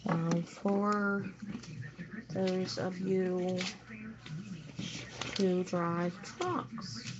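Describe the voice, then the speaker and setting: A woman's voice: lowish voice, very slow, long pauses. A woman co-host reading a news story aloud on a show. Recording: dull, noisy lo-fi stream audio.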